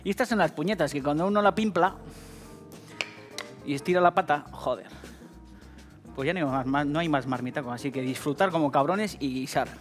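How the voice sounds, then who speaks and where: A high-voiced, middle-aged man with a Basque Spanish accent, demonstrating a recipe on a TV kitchen set. He talks straight to the viewers, full of jokes and swearing. Faint music plays behind him. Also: fairly quick, pauses often. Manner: profane, jokey, addresses viewers directly. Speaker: TV cooking show host. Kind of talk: casual cooking demonstration.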